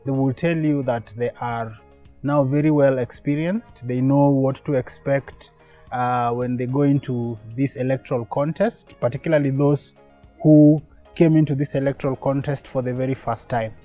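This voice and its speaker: A man's voice: medium pitch, steady tone, moderate pace, mellow, dull audio, faint music behind. A man explaining a project's work in a documentary interview. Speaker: project representative.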